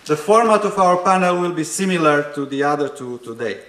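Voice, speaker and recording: A man from Romania moderating an academic panel, introducing speakers in a measured way with frequent fillers and dry humor. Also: a little high, expressive, fairly bright tone. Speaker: higher education policy researcher. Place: conference hall. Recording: echoey conference hall.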